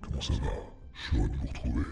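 A man streaming with a voice changer that makes his voice very deep and disguised, gravelly and muffled. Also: very fast, dark tone, reverberant, far from the mic, faint music behind. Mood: teasing. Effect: very deep voice-changer filter. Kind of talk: playful live-stream banter.

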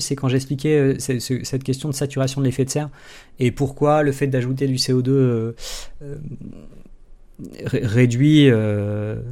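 A man giving a live-streamed science explanation, halting and restarting often, with an informal, self-mocking manner. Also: medium pitch, a little mellow. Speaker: science educator.

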